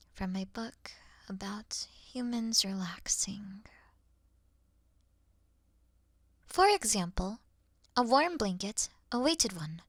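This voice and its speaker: A woman playing an earnest, awkward moth girl in a sleep-aid roleplay, soft and often whispering, with a gentle, slightly formal manner. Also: on the high side, no echo, clean studio sound, heavily acted. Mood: earnest, soothing.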